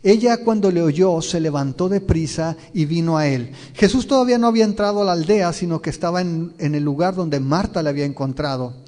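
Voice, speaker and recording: Pastor in a reverberant hall. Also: male voice, a little high, a little fast, hardly any pauses, mellow. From Mexico. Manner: questions the listeners directly and retells scenes vividly. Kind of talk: verse-by-verse Bible teaching sermon. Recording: long reverb of a large hall.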